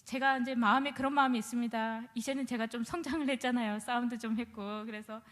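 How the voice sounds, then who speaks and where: A woman giving a personal testimony as a former shaman, telling her story in an animated way and acting out her own past words. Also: on the high side, fast talker. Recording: long hall reverb.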